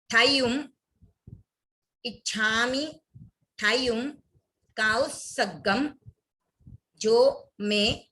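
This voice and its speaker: A woman's voice: on the high side, fairly bright tone, low-quality recording. A young woman teaching an online class, reciting prayer words one at a time and repeating each twice for her students.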